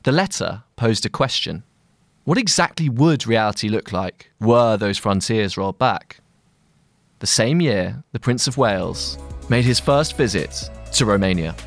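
A man reading a scripted long-form article aloud in a measured, articulate, literary manner. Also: on the low side, animated, soft background music. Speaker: narrator of a long-read magazine article.

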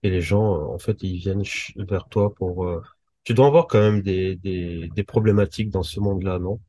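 Low, dry-voiced podcast host. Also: male voice, mellow, no echo. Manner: friendly, halting, many fillers. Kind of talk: podcast interview.

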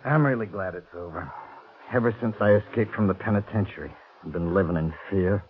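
An actor with an American accent playing a weary, earnest reformed convict in a 1940s radio drama, heard on a muffled vintage recording. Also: male voice, sits low, fairly quick, a little hiss or hum, natural voice. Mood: relieved, confessing. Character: weary, relieved male escaped convict, now reformed.

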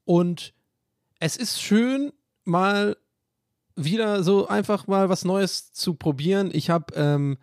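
A man's voice: high voice, slow pace, a little mellow, dry recording, clean studio sound. A man hosting a casual solo podcast from a hotel room, recording into his phone and rambling through tangents while poking fun at himself. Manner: rambling, self-mocking, jumps between tangents. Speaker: podcast host. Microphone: phone microphone.

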